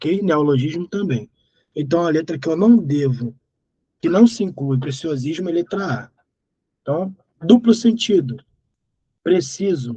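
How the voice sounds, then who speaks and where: Speaking fairly slowly with long, frequent pauses, a man uses a high-pitched, dark, mellow voice with lively intonation. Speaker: teacher. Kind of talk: lecture.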